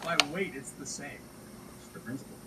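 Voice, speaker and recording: A man's voice: on the high side, a little fast, heavy background noise, lightly acted. An actor playing a nagging, playfully scolding male companion in audio drama banter, away from the microphone. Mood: teasing, scolding. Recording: distant from mic, music behind.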